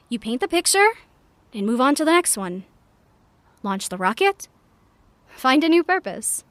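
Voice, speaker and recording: Musing, high-voiced scavenger in sci-fi drama. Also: female voice, no echo. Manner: musing, conversational, spoken as a recorded message. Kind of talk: sci-fi audio drama monologue.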